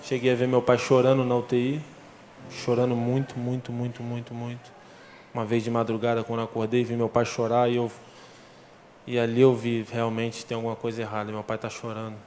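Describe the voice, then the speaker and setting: A man's voice: medium pitch, completely flat delivery, fairly quick, darkish tone, a little hiss or hum. A man with a Brazilian accent giving a church testimony, telling his story with emotion and acting out the dialogue. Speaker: former football defender giving testimony.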